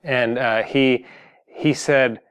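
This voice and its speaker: A man's voice: mid-range voice, steady tone, drawn-out words, clear, resonant tone, highs cut off. A man giving a singing lesson in an earnest, repetitive way, often restarting his sentences. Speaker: singing coach. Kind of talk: lesson to camera.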